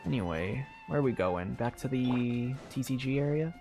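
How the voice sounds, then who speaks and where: A woman's voice: very deep voice, animated, moderate pace, dark tone. A woman giving casual live gameplay commentary as a streamer, exclaiming and swearing freely. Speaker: game streamer. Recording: faint game music behind.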